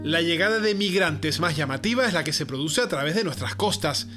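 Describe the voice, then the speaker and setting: A man's voice: a little high, expressive, fairly quick, loud music behind the voice. A man reading scripted documentary narration as a TV reporter.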